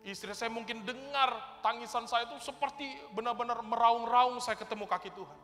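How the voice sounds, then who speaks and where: A man's voice: extremely high pitch, a little fast, sharp tone. A male pastor preaching a sermon, telling a personal testimony in a fervent, conversational way and speaking straight to his congregation. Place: church hall. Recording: reverberant hall with faint music.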